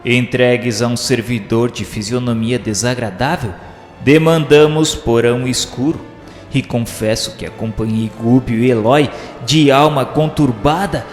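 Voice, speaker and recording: A male narrator tells a radio drama story in solemn, formal phrasing. His mid-pitched voice rings with echo and long reverb, and faint music plays behind him. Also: measured pace.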